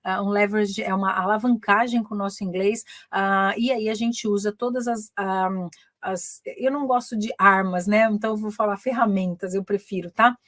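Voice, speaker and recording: A woman's voice: medium pitch, steady tone, moderate pace, a bit bright, no echo, clean studio sound. Bilingual woman teaching live. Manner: switches between Portuguese and English, repeats each point in both. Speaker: English teacher and communication coach. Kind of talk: live-streamed bilingual class. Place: her home, living in England.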